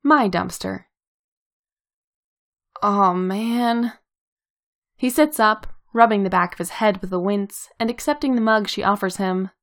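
Woman calmly reading a story. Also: mid-range voice, a little fast, few pauses. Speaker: reader. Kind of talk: fan fiction read aloud.

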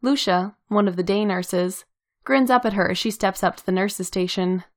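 A woman calmly reading fan fiction aloud in an even narrating voice. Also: mid-range voice, normal speed. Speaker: reader.

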